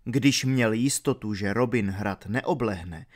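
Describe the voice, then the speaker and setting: A man reading an audiobook aloud in a steady, measured storytelling voice. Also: fairly low pitch. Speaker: audiobook narrator.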